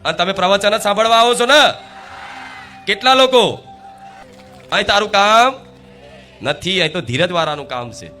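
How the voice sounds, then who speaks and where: A man's voice: sits high, expressive, normal speed, long pauses, sharp tone, soft background music. A man preaching to a live devotional gathering as the goddess's voice, rhetorical, quizzing the crowd and repeating key words for emphasis. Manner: rhetorical, quizzes the audience and calls for responses. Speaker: spiritual preacher speaking as the goddess.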